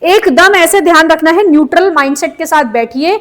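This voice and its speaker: A woman's voice: very high voice, a little fast, fairly bright tone. A woman teaching an online class, mixing Hindi and English and calling on students by name.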